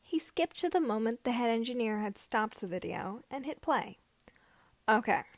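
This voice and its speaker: A woman narrating fan fiction like an audiobook, with slightly halting phrasing. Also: a little high, animated, dry recording. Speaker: podfic reader.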